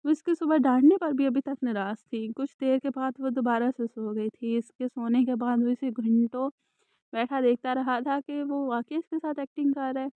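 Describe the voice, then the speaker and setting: A woman narrating a romance novel in a soft, even storytelling manner. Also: sits high, no echo. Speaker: audiobook narrator. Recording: dry, tinny phone-like sound.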